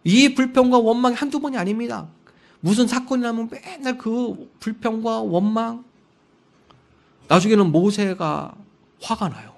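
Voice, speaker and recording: A man pastor preaching a Sunday sermon, telling stories and acting out quotes, and rising to loud emphasis on key lines. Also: very high-pitched, normal speed, gravelly. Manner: storytelling with acted quotes.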